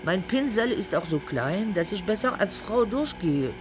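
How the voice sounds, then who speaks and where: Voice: mid-range voice, very animated, moderate pace, background noise, natural voice. A performer playing a worldly drag queen in a radio play, reminiscing about a former lover in a wry, confiding manner. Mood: confiding, rueful. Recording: music behind the voice.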